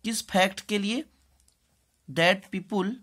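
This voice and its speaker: Here an English teacher with an Indian accent runs a bilingual lesson, spelling words aloud, repeating phrases deliberately, and often checking in. Her pitch is medium and her tone a bit bright.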